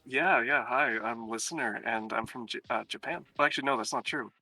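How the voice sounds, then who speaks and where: An easygoing young American man talks as a guest, his mid-pitched voice bright and forward. His joking, laid-back manner sits over faint music. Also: fairly quick, slightly rough, dry recording, poor audio. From United States. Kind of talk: casual chat.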